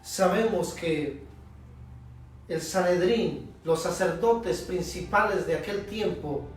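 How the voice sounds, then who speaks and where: A man preaching a sermon as pastor, emphatic and leaning on long pauses. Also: high-pitched. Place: church sanctuary. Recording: echoey church, distant mic, soft instrumental music.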